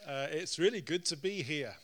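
A man's voice: fairly high pitch, lively intonation, moderate pace. British man preaching informally. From London, Britain. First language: English. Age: middle-aged. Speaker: guest pastor preaching. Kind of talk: sermon greeting in short phrases for an interpreter.

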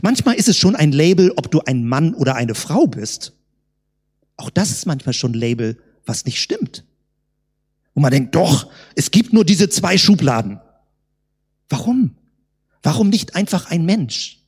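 Woman preacher, sermon delivery, slightly husky, heavy hall reverb. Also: low-pitched, very animated, darkish tone. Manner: rhetorical questions, slowed emphatic words.

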